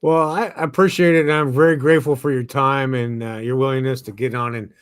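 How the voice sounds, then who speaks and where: A man hosting an interview, mid-pitched and recorded dry and close. He asks eager questions that often stumble and restart. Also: fairly even intonation, brisk, smooth, no echo. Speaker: podcast host.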